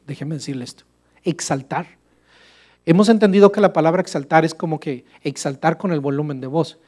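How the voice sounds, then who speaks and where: A man preaching a sermon as pastor to his church, animated, asking rhetorical questions and addressing listeners as brother. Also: on the high side.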